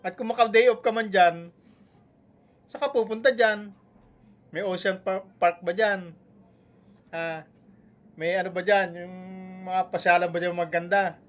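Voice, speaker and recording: A man's voice: high voice, fairly even intonation, fairly bright tone. Taunting man scolding a rival vlogger. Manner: taunting, scolding, with drawn-out hums between jabs. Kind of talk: live-stream rant at a rival.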